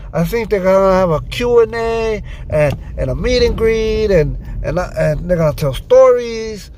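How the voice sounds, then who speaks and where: A man's voice: high voice, poor audio. A man talking casually as a solo vlog host, rambling and repeating words as he doubles back, recorded in a car. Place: inside a car while driving on city streets at night. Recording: clear car and street noise. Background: car and traffic noise.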